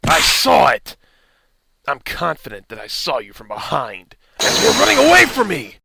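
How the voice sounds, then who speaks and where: Gravelly, wildly swooping, blustering detective. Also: male voice, fairly high pitch, huge pitch swings, normal speed, heavily acted. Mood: aggrieved, blustering. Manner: overwrought, loud, melodramatic. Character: blustering, aggrieved male police detective. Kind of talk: English anime-style game fan dub. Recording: noisy amateur mic with clicks.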